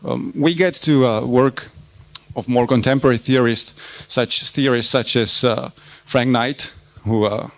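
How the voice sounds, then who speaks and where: A man's voice: medium pitch, fairly even intonation, unhurried, gravelly, no echo. A man in his thirties from the Republic, speaking. He gives an academic conference talk and often stops to repeat words while he searches for the next one. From Czech Republic. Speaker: university lecturer presenting research.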